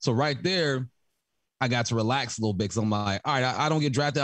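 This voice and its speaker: A man with an American accent speaks at a very fast pace with ordinary pitch variation. The background is quiet. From Los Angeles. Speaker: former football player and sports broadcaster. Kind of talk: casual interview chat.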